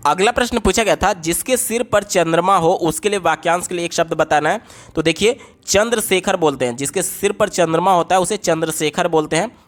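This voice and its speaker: A man working through exam questions one by one, explaining each option step by step in a steady teaching voice. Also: high-pitched, brisk. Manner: explains step by step, often repeating "ye galat ho gaya". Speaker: exam tutor. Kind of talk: exam paper walkthrough.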